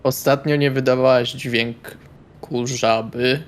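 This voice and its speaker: A man's voice: medium pitch, steady tone, takes it slowly. A man playing a tabletop role-playing game, casually speaking in character and describing his actions. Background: music.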